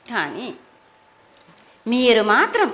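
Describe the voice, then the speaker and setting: A woman's voice: a little high, wildly swooping pitch, slow pace, highs cut off. A woman with a Telangana Telugu accent speaking as a mother goddess in a prophetic trance voice, chanting and reproaching her children.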